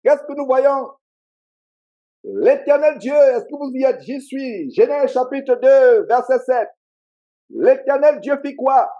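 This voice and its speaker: At a church meeting, a man with a Cameroonian French accent delivers a sermon in an extremely high, dark-toned voice, taking it slowly. The lo-fi recording catches him hammering and repeating key phrases while the congregation answers back.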